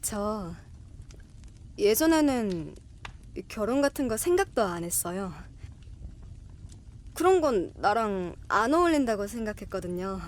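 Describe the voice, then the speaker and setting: An earnest young woman writer in a radio-style audio drama. Her voice sits at an ordinary female pitch, and she speaks softly and sincerely, with a reflective, tender temper. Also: big pitch swings, unhurried, long pauses. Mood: subdued, hesitant.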